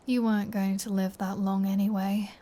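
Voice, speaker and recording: A woman with a medium-pitched, dark, natural voice delivers her lines flatly at normal speed. In an intimate ASMR roleplay she plays a flirty, menacing vampire taunting her captive hunter, teasing and sardonic, often dropping into a whisper. The mood is wry and fond.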